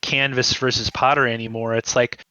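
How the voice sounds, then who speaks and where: A man's voice: medium pitch, level tone, brisk, bright, forceful tone, smooth, dry recording, poor audio. A man chatting casually as an interview guest, with a wry, playful way of talking.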